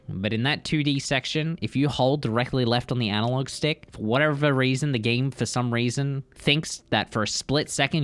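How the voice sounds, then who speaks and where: A man's voice: mid-range voice, fairly bright tone. A man who is a speedrunner and streamer, giving casual, blunt, teasing commentary on gameplay with gamer slang and swearing. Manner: blunt, teasing, exasperated critique.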